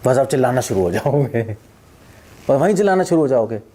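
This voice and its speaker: A man's voice: mid-range voice, brisk. A man, a monk who was once a doctor, giving a spiritual talk and telling stories that act out what people think and say. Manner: animated storytelling, acts out quoted thoughts and repeats phrases. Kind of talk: spiritual discourse.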